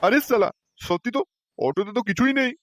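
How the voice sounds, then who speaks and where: A man's voice: high voice, expressive, fast, dry recording, clean studio sound. A man voicing a stingy, hot-tempered middle-aged man in a cartoon who blusters and threatens. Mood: blustering. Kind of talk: cartoon voice acting.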